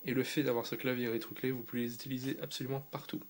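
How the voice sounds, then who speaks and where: A man's voice: medium pitch, flat delivery, racing. A man giving a loose, rambling product review, talking casually with fillers and restarts. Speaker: tech reviewer.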